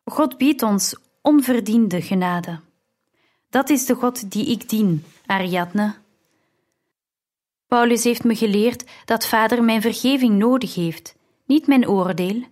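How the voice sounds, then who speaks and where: A patient, earnest young man speaks gently but firmly, as a woman narrator reads him. The delivery is unhurried and drawn out, in the plain voice of an audiobook reader. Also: fairly high pitch. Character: calm earnest young man, devout brother.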